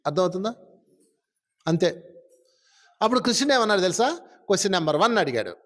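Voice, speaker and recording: A man's voice: sits high, lively intonation, brisk. A male spiritual teacher speaking to a live audience in a folksy, teasing way, asking them question after question.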